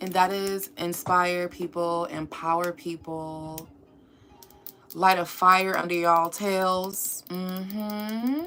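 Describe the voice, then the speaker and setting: With music in the background, the voice moves at a very slow pace, its intonation fairly even but its loudness swinging widely. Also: woman, medium pitch for a woman. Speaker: livestreamer. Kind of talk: casual live-stream chat. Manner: occasional hesitations and stumbles over words.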